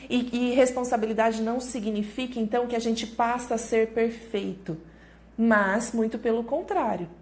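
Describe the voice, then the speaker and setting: A woman's voice: on the high side, fairly even intonation, normal speed. A woman with a Brazilian Portuguese accent hosting a live stream on parenting, explaining patiently, repeating key phrases and acting out example thoughts.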